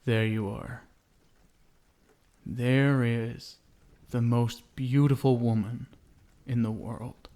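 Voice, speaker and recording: Man playing a very slow-talking possessive vampire husband. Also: mid-range voice, fairly even intonation, slight background noise. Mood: adoring. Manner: soft coaxing endearments, lingering deliberate pauses. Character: possessive vampire husband, sinister, doting, coaxing captor. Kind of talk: intimate ASMR roleplay.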